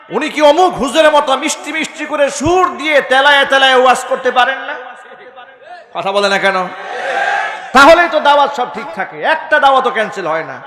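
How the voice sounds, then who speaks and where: A man preaching a sermon, firing rhetorical questions at the crowd and breaking into shouts. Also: extremely high pitch. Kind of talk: Islamic sermon. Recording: echoey hall with long reverb.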